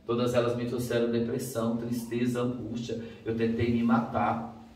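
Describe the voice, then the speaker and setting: A man's voice: mid-range voice, monotone, moderate pace, a little mellow, a little hiss or hum. A man with a Brazilian Portuguese accent giving a dramatic testimony sermon as a preacher. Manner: dramatic storytelling, acting out dialogue in raised voices. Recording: roomy, distant mic.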